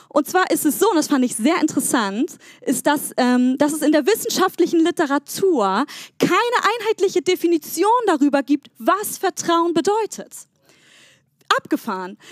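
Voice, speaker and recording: A woman with an extremely high voice speaks at a moderate pace, her pitch swinging very widely, in a dry, close sound with no echo. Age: 20s. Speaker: young church member giving a sermon. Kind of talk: sermon.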